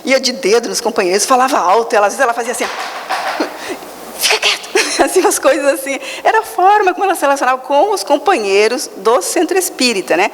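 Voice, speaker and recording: A woman giving a talk at a Spiritist center, telling stories with animated quoted asides. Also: sits high, fast talker, hardly any pauses, in a large hall, slight background noise.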